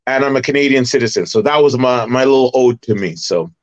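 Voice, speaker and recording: A man's voice: medium pitch, quick pace. Middle-aged man from Barbados, muffled audio. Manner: animated, detailed recollection. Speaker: former wrestler and promoter, podcast guest. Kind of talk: casual interview storytelling.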